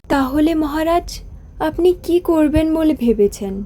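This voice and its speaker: A woman playing a concerned, respectful queen and mother in a cartoon storybook, gently questioning and deferential. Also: high voice, lively intonation, measured pace, pitched above the performer's own voice.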